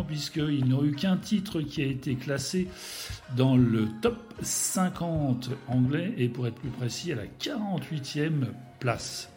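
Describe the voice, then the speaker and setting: A man's voice: mid-range voice, a little mellow. A man with a Spanish accent giving a casual radio music chronicle in a playful, rambling way, hesitating often.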